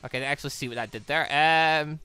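A British gamer giving excitable, rambling let's play commentary and often breaking off mid-thought. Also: mid-range voice, quick pace, clean tone. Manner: excitable, rambling, self-interrupting. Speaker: gaming video host. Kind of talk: let's play commentary, reading dialogue aloud. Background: game music.

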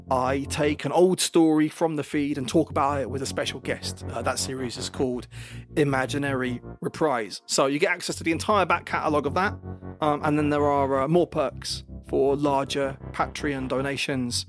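A British podcast host with a hoarse, raspy voice that sits a little high for a man. He talks in a loose, chatty, self-deprecating way, with plenty of fillers. Faint music plays underneath. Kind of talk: casual outro talk.

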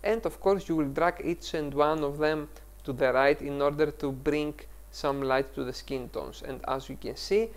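A man's voice: a little high, fairly even intonation, normal speed. A man with a Greek accent hosting a photo-editing tutorial, explaining each step over a screen recording and correcting himself as he goes. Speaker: tutorial host.

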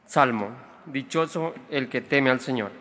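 A young man reciting a responsorial psalm clearly and evenly at an outdoor Mass, into a stand microphone. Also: medium pitch, unhurried, fairly bright tone. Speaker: psalm reader. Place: outdoor tented stage. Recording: reverberant public address sound.

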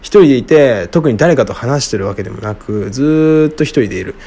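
A man answering listener questions alone in casual talk, frank and rambling with many fillers, often trailing off quietly. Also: brisk. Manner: lively, wide pitch swings. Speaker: radio-style show host answering listener questions.

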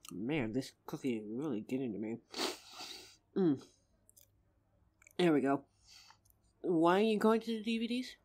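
A gentle young werewolf girlfriend, played by a woman, talking low and unhurried in a soft, breathy audio-drama voice. Her tone is mellow and dark, and she sounds tender with her partner. She lingers over each word. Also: exaggerated voice. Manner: tender, slow, grounding exercise. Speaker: voice actor. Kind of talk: F4A audio roleplay.

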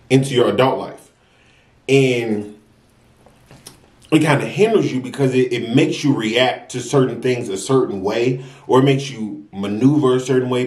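A man's voice: medium pitch, a little mellow. Young American man, casual and roomy-sounding. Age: young adult. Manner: earnest, unhurried, talks between bites. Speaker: mukbang vlogger. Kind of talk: casual confessional chat to viewers while eating.

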